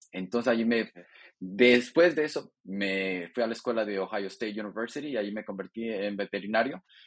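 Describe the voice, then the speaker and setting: A man with a plain, everyday voice, fairly low pitch, ordinary pitch variation and a fairly quick pace. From Mexico City and Kansas, US. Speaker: abuse testimony guest. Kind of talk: testimony.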